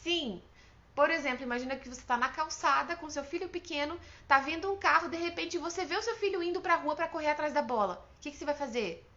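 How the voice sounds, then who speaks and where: A woman's voice: high-pitched, fast, bright, forceful tone, highs cut off. A woman with a Brazilian Portuguese accent, a mother hosting a parenting advice talk, speaking earnestly and with emphasis in a coaching tone. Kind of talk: direct-to-camera advice talk.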